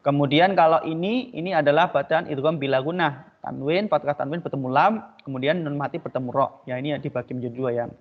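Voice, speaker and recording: A man's voice: on the high side, fairly quick, few pauses. Man patiently drilling Arabic sounds, muffled. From Indonesia. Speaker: teacher. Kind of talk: online tajwid lesson. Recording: dull lo-fi recording.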